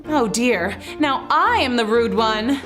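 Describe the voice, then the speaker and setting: A woman's voice: fairly high pitch, animated, slow pace, a bit bright, soft background music. A woman telling a children's story in character as a girl, with a bubbly, exclamatory, giggly manner. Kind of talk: animated first-person storybook narration in character as a girl.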